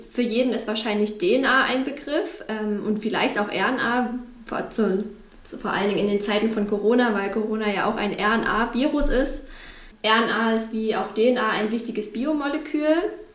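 Her voice fairly high with ordinary pitch variation, a woman speaks at a moderate pace amid noticeable background noise and audible room echo. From Saxony, near Leipzig. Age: 20s. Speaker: master's student. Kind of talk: casual chat.

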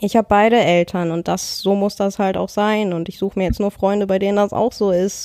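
A woman speaks fairly quickly at medium pitch with hardly any pauses, her tone dark and mellow and her intonation monotone and flat, in a dry, close sound with no echo. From Germany, arrived from Kyrgyzstan at age three. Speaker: podcast co-host. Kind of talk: personal testimony in casual chat.

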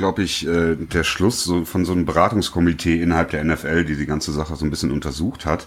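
A man's very deep, low voice with fairly even intonation, fairly quick and with hardly any pauses, over noticeable background noise. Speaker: podcast co-host. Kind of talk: casual chat. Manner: hesitant, many fillers.

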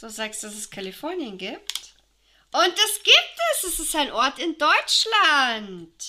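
A woman with a Bavarian accent uses a raised, projected voice at a high pitch with a bright, sharp tone. She speaks at a very slow pace with very wide pitch swings and big swings in loudness. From Upper Bavaria. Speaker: podcast host. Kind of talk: game show hosting.

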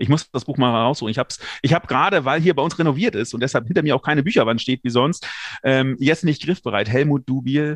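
A man talks at a very fast pace and medium pitch with ordinary pitch variation, with a quiet background and a dry, close sound with no echo. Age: 40s. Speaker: historian. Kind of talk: interview. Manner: halting.

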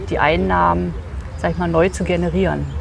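A woman is speaking. Her voice carries noticeable background noise and audible room echo. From Berlin, Germany. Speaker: business consultant. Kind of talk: interview. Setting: outdoors in a park.

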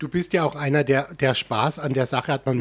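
Fairly quick, somewhat breathy speech. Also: man. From Baden (southwest Germany). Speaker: podcast host. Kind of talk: casual interview.

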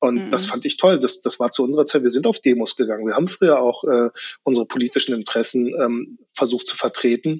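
A man's pitch is medium and varies in an ordinary way. He talks at a very fast pace. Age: 40s. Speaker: sneaker expert and shoe brand founder. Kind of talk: interview. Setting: video call. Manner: hesitant, many fillers.

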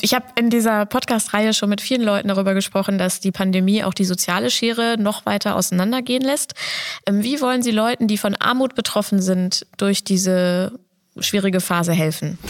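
At a fairly quick pace, a woman with an ordinary speaking voice keeps a medium pitch, ordinary pitch variation and very even loudness. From Lower Saxony. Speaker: podcast host. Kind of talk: interview.

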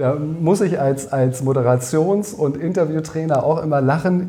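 A man's voice with lively intonation. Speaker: presentation and moderation trainer, podcaster. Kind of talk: interview conversation. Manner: calm, not nervous.

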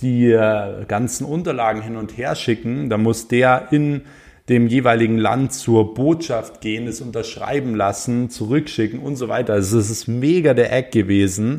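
With an energetic tone, a man speaks at a medium pitch and a fairly slow pace, with ordinary pitch variation. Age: 20s. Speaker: entrepreneur and podcast host. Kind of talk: casual solo podcast monologue. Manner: energetic, lots of filler words.

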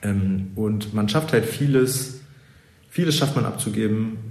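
A man with a fairly low pitch and ordinary pitch variation, with audible room echo and noticeable background noise. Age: 20s. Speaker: wedding DJ. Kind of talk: casual chat. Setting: office.

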